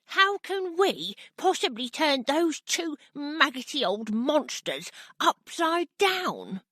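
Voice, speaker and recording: A woman plays a fussy male roly-poly bird from a storybook, squeaking up to a very high pitch and swooping wildly between notes. He drawls his doubts slowly, bright and thin, on a dry close recording. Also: sing-song, no room sound, full character voice. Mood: incredulous. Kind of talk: audiobook character voice.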